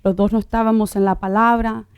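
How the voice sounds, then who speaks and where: A middle-aged woman born in Uruguay telling her personal testimony in conversation, halting, with many fillers and restarts. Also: fairly high pitch, little pitch movement, a little mellow, smooth, no echo, muffled recording. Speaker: guest sharing her testimony.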